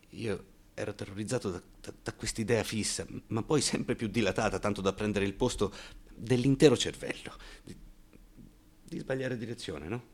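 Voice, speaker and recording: An actor playing an anxious, bitter gay man recalling his frightened youth in a halting, confiding theatrical radio monologue. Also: low-pitched. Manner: confiding, halting and repetitive, breaking into bitter outbursts.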